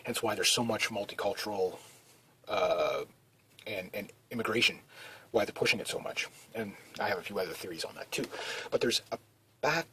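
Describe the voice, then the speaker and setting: A man's voice: lowish voice, moderate pace, sharp tone, slight background noise. A man talking in a rambling, casual monologue, full of restarts and fillers. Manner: meandering, many restarts and "you know" fillers. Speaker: video blogger.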